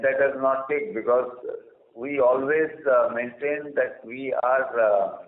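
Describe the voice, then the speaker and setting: A man answering questions as a company executive on an earnings call, speaking in a halting, deliberate way with long hesitations. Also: mid-range voice. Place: conference call line. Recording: echoey, narrow phone conference line.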